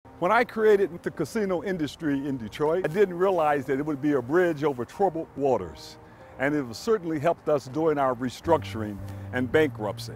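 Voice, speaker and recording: Fairly high male speech with lively intonation, over background music. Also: fairly quick pace. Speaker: real estate developer and chairman of a development firm. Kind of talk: infomercial pitch to camera.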